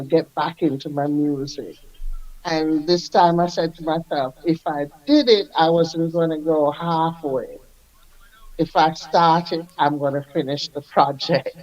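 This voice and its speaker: Slow-talking older man. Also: a little high, darkish tone, lo-fi sound. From Jamaica. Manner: unhurried, reflective, laughs often. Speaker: music artist guest. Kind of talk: radio interview.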